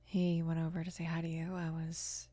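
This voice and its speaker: A woman of about twenty playing a mafia boss's protective, casual daughter in an intimate ASMR roleplay, speaking softly and unhurriedly, often slipping into a whisper. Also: monotone, no room sound. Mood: calm, confiding. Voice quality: soft, breathy whispering mixed with low murmur. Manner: hesitant, unhurried, casual with small pauses. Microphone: close microphone, dry.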